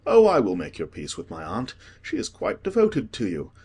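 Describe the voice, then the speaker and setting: A man voicing a witty, languid aristocratic gentleman with a teasing, ironic manner. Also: lowish voice, wildly swooping pitch, moderate pace, slightly rough, exaggerated voice.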